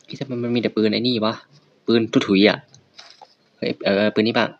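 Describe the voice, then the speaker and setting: A man giving loud, excitable and profane commentary while playing a video game. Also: fairly low pitch, brisk, dull audio. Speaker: gaming streamer. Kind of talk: casual gameplay commentary. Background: faint birds chirping.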